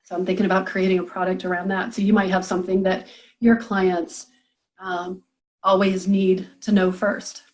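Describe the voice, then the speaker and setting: Lady coaching a group call, encouraging, average pitch, lots of ums. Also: level tone, normal speed, a little mellow, low-quality recording. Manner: encouraging, thinks aloud with fillers. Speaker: business coach.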